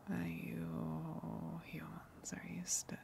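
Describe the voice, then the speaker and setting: A woman voicing a lonely, gentle tentacled sea monster in a breathy whispered ASMR roleplay, hesitant and earnest as she speaks. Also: deep voice, monotone, slight background noise, heavily acted. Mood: nervous, coy. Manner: hesitant, confessional, halting, earnest.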